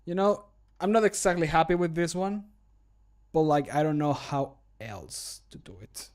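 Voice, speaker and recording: A man's voice: fairly high pitch, animated, normal speed, darkish tone, clear, resonant tone. A man in his thirties chatting casually on a livestream, joking and self-critical. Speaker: streamer and game modder. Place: small indoor home room.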